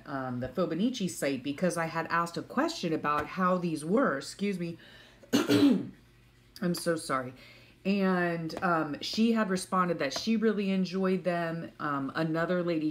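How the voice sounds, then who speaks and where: A woman with a low voice chats casually to her viewers as a vlogger. Her pace is unhurried and meandering, with a folksy, hesitant way of talking. She sounds congested and sniffly. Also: slight background noise. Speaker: vlogger showing stationery. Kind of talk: casual rambling chat. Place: at home.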